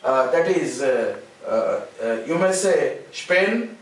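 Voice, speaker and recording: Slow, echoey Indian English male teacher. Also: mid-range voice, expressive. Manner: slow and deliberate, spells out letters, repeats key terms. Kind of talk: classroom lecture. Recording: very echoey room, mic far off.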